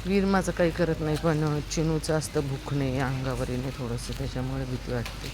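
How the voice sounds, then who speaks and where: A woman's voice: extremely low pitch, level tone, moderate pace. A woman narrating a casual vlog outdoors in the rain while walking her dog and chatting to viewers. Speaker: dog owner vlogger. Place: outdoors on a rainy street. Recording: noisy outdoor street recording. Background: street noise with passing vehicles.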